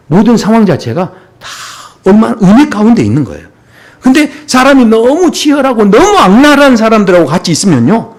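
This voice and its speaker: A male pastor delivering a Sunday sermon with a lively, swinging pitch and a voice that sits a little high for a man. He talks conversationally and with humor, often pausing for short asides to the congregation.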